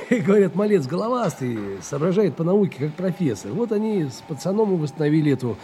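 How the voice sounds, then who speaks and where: A man's voice: fairly high pitch, sing-song, brisk, warm tone, a little hiss or hum. An actor playing an evasive, uneducated working-class man in an audio drama, cocky and folksy, with colloquial chuckling speech. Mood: chatty, scornful. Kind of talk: Russian audio drama acting.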